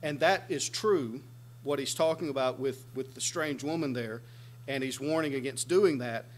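Earnestly explaining scripture with gestures, an American man in his forties delivers a sermon in a small church room. He speaks at a moderate pace in a mid-range voice, over a faint background hum.

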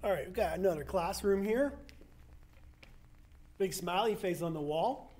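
A middle-aged man with a fairly high, mellow voice chats casually to his viewers while exploring an empty school building. He keeps up easy, low-key running commentary, recorded on a handheld camera mic as he walks. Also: measured pace. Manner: chatty, addresses viewers as guys, low-key asides. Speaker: urban explorer vlogger. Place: empty abandoned school, large indoor halls and rooms.

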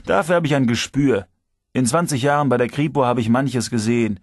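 A man's voice: fairly quick, dry recording, natural voice. Male reader playing a teasing ex-cop security chief, lifts his voice, dry audiobook sound. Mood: earnest. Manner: lively, teasing, raised pitch. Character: shrewd, moralizing male security chief, ex-detective.

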